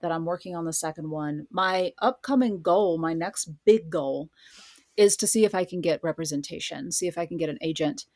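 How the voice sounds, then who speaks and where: A woman speaking conversationally as a guest author in a podcast interview. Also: lowish voice.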